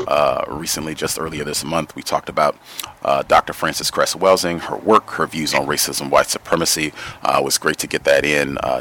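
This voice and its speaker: A man hosting a call-in radio show, speaking in a measured way with frequent "uh" pauses between phrases. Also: extremely low pitch, a bit bright, slight background noise.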